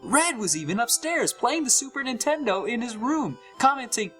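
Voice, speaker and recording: A man giving an expressive, scripted first-person narration of a horror story. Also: very high voice, normal speed, faint music behind.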